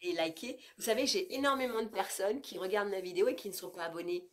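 A woman's voice: mid-range voice, fast talker. A woman in her fifties chatting casually to camera about her groceries, a little stuffy with a cold, cooing to her cat now and then. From France. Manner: chatty and playful, coos and baby talk to her cat. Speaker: vlogger. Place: bedroom with leafy wallpaper, indoors. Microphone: camera in front at close range.

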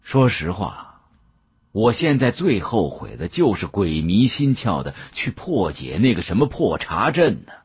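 Male narrator as older professor in an audiobook: shrewd, measured, avuncular, low gravel-soft husky voice. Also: wildly swooping pitch, dull audio, exaggerated voice. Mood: rueful.

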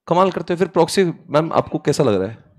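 A man's voice: a little high, expressive, fast. A young man teaching law in a classroom lecture, playful and acting out quoted exchanges, mixing into his Hindi.

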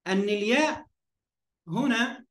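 A man with an Egyptian accent gives an online grammar lesson in a fairly high voice. He keeps asking his class questions, fills in the answers himself, and checks they follow. His voice rings in an echoey room. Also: measured pace, fairly bright tone. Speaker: Arabic grammar teacher.

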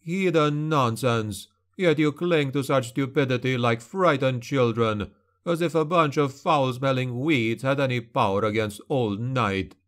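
A man voicing an arrogant young nobleman bully in an audiobook, snarling and mocking with a slight drawn-out lisp. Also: medium pitch, fairly bright tone, close to an everyday voice. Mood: contemptuous anger.

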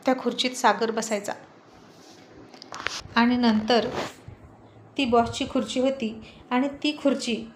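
A woman reads a serialized romantic story aloud. Her voice sits somewhat high. Her delivery is steady and descriptive, the way a storyteller reads an episode. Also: a little hiss or hum.

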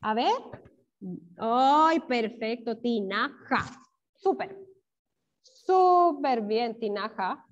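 A woman with a Chilean accent teaching an online class to young children, encouraging and praising pupils by name, drawing words out slowly syllable by syllable. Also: on the high side, expressive. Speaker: primary school teacher. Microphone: video call. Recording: dull lo-fi video call audio.

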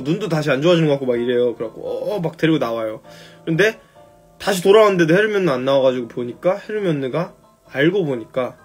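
A man's voice: on the high side, breathy edge. A man casually retelling a story on a phone live stream, loose and chatty, swearing now and then.

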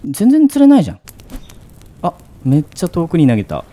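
Very animated man musing through a game. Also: a little high, brisk. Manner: muses aloud, asking himself questions. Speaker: gaming commentator. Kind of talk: casual horror game commentary.

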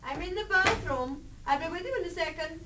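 An actress playing a detective's curious, quick-witted British wife in a radio drama, chatty in manner. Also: female voice, extremely high pitch, pushed and bright, a little hiss or hum.

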